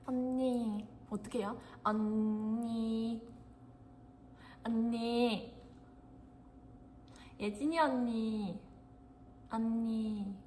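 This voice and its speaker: A woman's voice: fairly high pitch, warm tone, a little hiss or hum. A young woman hosting a casual livestream, chatting and giggling as she talks straight to her viewers.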